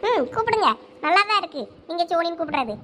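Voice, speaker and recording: A woman's voice: very high-pitched, lively intonation, sharp tone, a little hiss or hum, full character voice. A woman voicing a nosy, teasing young village woman in a cartoon, with a Thoothukudi Tamil accent. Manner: nosy, fast-talking, teasing. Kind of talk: cartoon voice acting.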